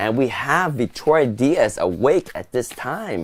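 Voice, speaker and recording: Noticeable background noise runs under the voice. The talking moves at a fairly slow pace. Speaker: livestream deals host. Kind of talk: live stream product showcase. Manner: soft-spoken; casual, chatty.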